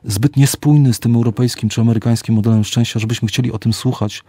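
This middle-aged psychologist and author speaks in a mellow, slightly rough mid-range voice with a steady tone, with no room sound. His interview answers are reflective and measured, and he slows down on important words.

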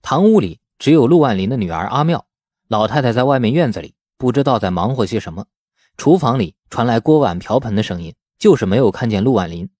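A man reading a novel as an audiobook narrator, in an expressive storytelling manner. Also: mid-range voice, fairly quick, husky, no room sound, clean studio sound. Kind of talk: scripted dramatic novel narration.

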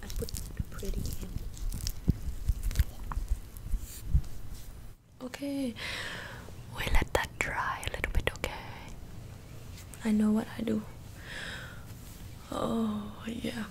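A woman's voice: a little high, fairly even intonation, measured pace, vocal fry, pauses often, low-quality recording. A young woman in a whispered role-play, voicing a blunt, boastful makeup doctor with a put-on Asian accent and broken English. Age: young adult. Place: small bedroom indoors. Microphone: close desktop microphone with foam cover.

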